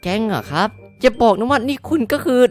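A woman's voice: a little high, animated, fast talker, soft background music, lightly acted. A woman voicing a nervous but kind-hearted teenage boy who stammers politely, in a game cartoon. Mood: flustered.

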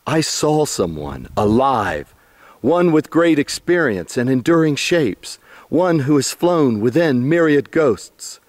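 A man reciting his own poem dramatically and fervently, halting phrase by phrase. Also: fairly high pitch, a little mellow, no echo.

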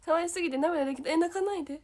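A young woman with a Kansai accent chatting casually on a livestream, reading comments aloud, giggling often and sometimes dropping to a soft whisper. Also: very high-pitched. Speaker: idol livestream host.

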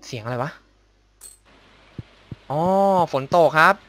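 Excitable man narrating his gameplay. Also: medium pitch, slow, breathy edge. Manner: excitable, exclaims and mutters to himself, makes sound effects. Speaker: gameplay commentator. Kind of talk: casual let's-play commentary.

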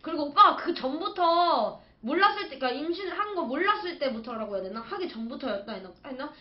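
A woman's voice: high voice, lively intonation, fast talker. A young woman chatting casually on a livestream, rambling through a personal story with lots of fillers. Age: young adult. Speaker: streamer's partner, guest. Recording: echoey lo-fi room sound.

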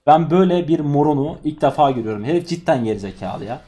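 A young man giving live gameplay commentary, ranting in exasperation and swinging between loud yells and low grumbles. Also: animated, fast. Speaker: gaming streamer.

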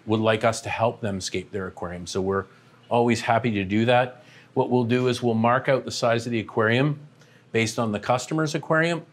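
A middle-aged man, a shop owner, giving a casual walking tour of his large indoor aquarium shop and warehouse, talking with lots of "um" fillers. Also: on the low side. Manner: relaxed, many "um" fillers, pointing at products as he walks.

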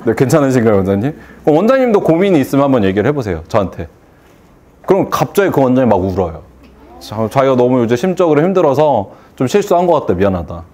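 Animated man giving a motivational talk. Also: medium pitch, fast. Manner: animated, rhetorical questions, acts out phone calls. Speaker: hair salon owner giving a speech. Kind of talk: motivational speech to an audience.

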